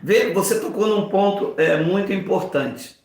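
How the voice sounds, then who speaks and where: A man's voice: high voice, measured pace. A man in his fifties preaching an informal sermon, acting out voices and jokes. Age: 50s. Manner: animated, acts out voices and jokes. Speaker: pastor. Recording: very echoey room.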